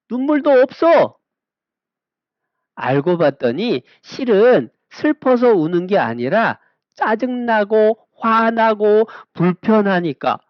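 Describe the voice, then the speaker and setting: A man's voice: high-pitched, no room sound. A man teaching a Bible lesson to young children, asking them questions and answering with a repeated refrain. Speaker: Sunday school teacher. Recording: dull lo-fi sound.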